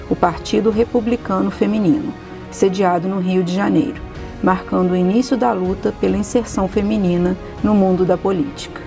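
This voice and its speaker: Casting woman, documentary narrator, gravelly mellow tone, faint music under. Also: mid-range voice. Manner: steady, formal delivery. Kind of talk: scripted narration.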